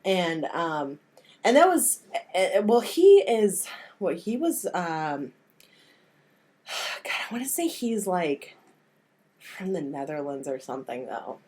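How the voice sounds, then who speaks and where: A woman's voice: lowish voice, big pitch swings, slow, pauses often, a little mellow. An American woman co-hosting a casual movie podcast, talking in a rambling, self-deprecating way. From United States. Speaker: podcast co-host.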